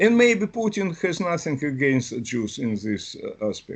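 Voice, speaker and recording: A man speaks with a Russian accent at a fairly slow pace. The background is quiet. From Russia, Moscow. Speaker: author and historian. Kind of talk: panel interview. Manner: halting, many hesitations.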